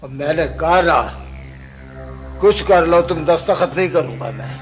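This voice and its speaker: An actor with a Pakistani accent playing a proud, stubborn landowner in a television drama, indignant and emphatic. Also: male voice, a little high, animated, moderate pace, lightly acted. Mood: defiant. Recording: old TV drama soundtrack with music.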